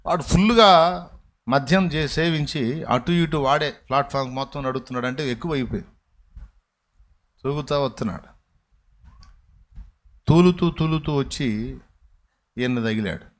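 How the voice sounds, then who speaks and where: A man preaching a sermon as pastor, telling a story and acting out its voices with sudden loud and hushed turns. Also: medium pitch, normal speed, pauses often.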